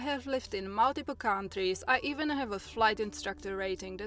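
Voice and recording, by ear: A woman talks at a fairly high pitch with a non-native accent and ordinary pitch variation. She keeps a moderate pace over noticeable background noise. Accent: non-native foreign.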